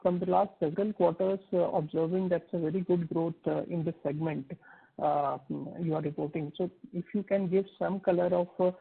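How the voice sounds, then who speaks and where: A man's voice: high voice, steady tone, normal speed, creaky, husky. A man with an Indian accent asking questions as an analyst on an earnings call, phrasing things hesitantly and piece by piece. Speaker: analyst caller. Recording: thin, narrow phone line.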